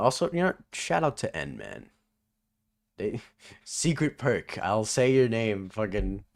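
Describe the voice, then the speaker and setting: A young man casually commentating over his own video, laughing often, swearing and now and then yelping loudly. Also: lowish voice. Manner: laughs often, swears, bursts into loud yelps. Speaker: video essay creator doing live commentary.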